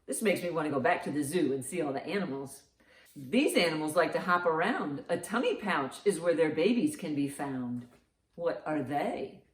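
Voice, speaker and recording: A low-pitched, animated woman speaks at normal speed, reading aloud and quizzing young kids with riddles during storytime. Her reactions to their answers are encouraging and exaggerated, and the sound echoes around a roomy space.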